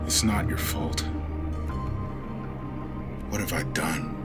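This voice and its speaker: Gruff, slow-talking, weary crew leader. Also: male voice, sits low. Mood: weary, defeated. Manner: blunt, emotive, sighing. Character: gruff, weary male spaceship crew leader, hot-tempered. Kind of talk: audio fiction acting. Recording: music behind the voice.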